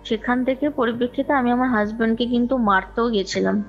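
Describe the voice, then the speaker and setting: A woman with a fairly high voice recounts her own experience in a chatty, emphatic way. She often repeats phrases and drops in English words. The sound is a dull, lo-fi call recording with music playing underneath. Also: fairly even intonation, fast talker. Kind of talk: conversational personal storytelling.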